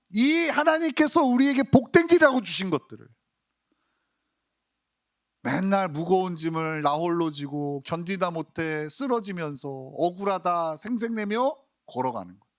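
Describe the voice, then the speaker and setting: A male pastor preaching a Sunday sermon in a chatty way, tossing rhetorical questions at the congregation. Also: high-pitched. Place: church sanctuary.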